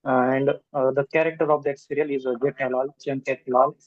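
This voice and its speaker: Male student, Indian English, hesitant, slow and flat delivery, dry muffled call audio breaking up from a bad connection. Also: mid-range voice, dry recording. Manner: halting, many hesitations. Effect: voice breaking up over a bad online connection. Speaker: student in online class. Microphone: video call.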